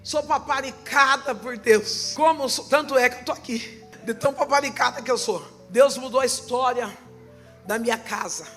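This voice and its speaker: Bright-voiced impassioned woman pastor. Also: sits high, moderate pace, faint music behind. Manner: impassioned preaching that swells into shouts. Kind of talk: sermon.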